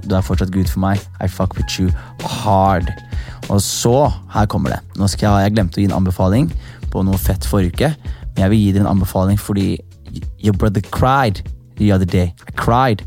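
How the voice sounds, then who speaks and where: A man's voice: medium pitch, darkish tone. A young man hosting a casual podcast, brash and joking, swearing freely and mixing English slang into his talk. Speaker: podcast host and comedian.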